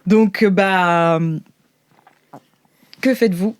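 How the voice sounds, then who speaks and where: A woman leads an improvised role-playing game as game master. Her narration is casual and animated, with a playful edge, at a medium pitch. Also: takes it slowly, clean tone.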